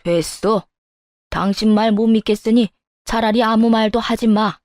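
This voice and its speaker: A woman's voice: fairly high pitch, fairly even intonation, a little slow, darkish tone, dry recording, studio quality, lightly acted. A woman voicing a stern older man, a father-in-law who scolds his wife with indignation in a scripted story. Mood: furious.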